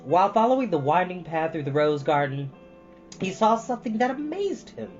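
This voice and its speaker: A man reading a storybook aloud as host, with expressive, deliberately stressed phrasing. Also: high-pitched. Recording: dull lo-fi sound with music behind.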